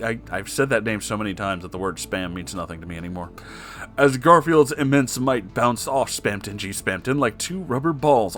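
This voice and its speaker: A man's voice: mid-range voice, a bit bright. A man narrating a comic fan story in a theatrical, mock-serious dramatic reading. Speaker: story reader.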